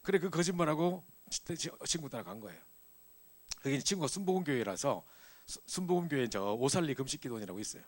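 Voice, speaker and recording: A middle-aged man preaching to a church youth group, telling a personal story in a lively, animated way. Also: on the high side, quick pace. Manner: animated storytelling, acts out scenes. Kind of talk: sermon with personal testimony.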